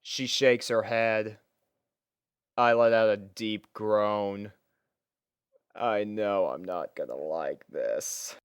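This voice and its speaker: A man's voice: lowish voice, very slow, long pauses, clear, resonant tone, no room sound, clean studio sound. A young man reading a scripted first-person story as its narrator.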